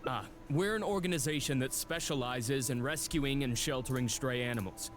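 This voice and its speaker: A man's voice: medium pitch, moderate pace, background noise, natural voice. An actor playing a courteous, apologetic male shelter director, speaking in a formal, polite manner. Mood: earnest. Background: game music.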